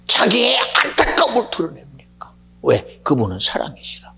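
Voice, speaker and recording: A male pastor preaching a sermon in a gravelly, very raspy voice, dropping to hushed whispers and then rising to shouts. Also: sits high, huge pitch swings, moderate pace.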